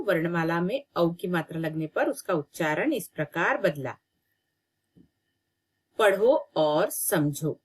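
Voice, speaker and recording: A woman teacher giving a children's reading lesson, sounding out syllables slowly and repeating each word patiently. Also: lowish voice. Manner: slow, drawn-out syllables, patient repetition.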